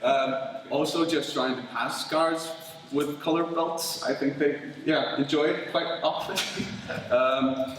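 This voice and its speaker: A man doing a self-deprecating, halting stand-up set. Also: a little high, steady tone, slight background noise. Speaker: amateur stand-up comedian. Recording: echoey hall, distant mic.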